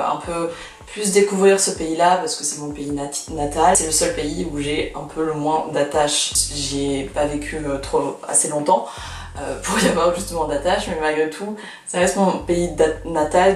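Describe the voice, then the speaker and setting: A woman's voice: low-pitched, a little mellow, roomy sound, distant mic. A woman in her twenties, born in Canada, chatting in a vlog with many fillers and restarts while losing her voice. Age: 20s. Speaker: law student vlogger. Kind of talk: casual vlog chat.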